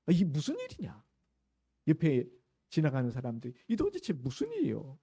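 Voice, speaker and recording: A middle-aged man, a pastor, preaching a sermon in an animated storytelling way, raising his voice for the cries in the text. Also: on the high side.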